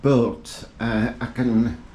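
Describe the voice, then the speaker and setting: A man's voice: medium pitch, flat delivery, drawn-out words, warm tone. A middle-aged man chatting wryly to camera as he does DIY jobs in his garage. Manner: wry, chatty asides between tasks. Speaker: DIY vlogger. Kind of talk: casual talk-to-camera while working. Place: garage and yard, partly outdoors.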